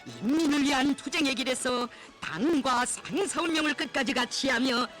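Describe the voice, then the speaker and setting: Casting: male narrator, North Korean accent, extremely high voice, reverent declamatory propaganda read over clear music. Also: animated, moderate pace, bright, forceful tone. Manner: reverent, solemn, emotive declamation. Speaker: documentary narrator. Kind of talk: scripted propaganda film narration.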